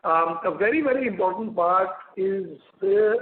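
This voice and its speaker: Echoey Indian executive on a conference call. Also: male voice, sits high, moderate pace, narrow, tinny audio, a little hiss or hum. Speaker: company executive answering investor questions. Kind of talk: earnings call answers.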